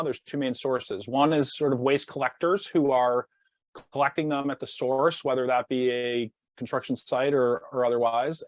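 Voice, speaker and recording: A man's voice: medium pitch, dry recording. A man speaking as a company executive, giving precise explanatory answers on an earnings call.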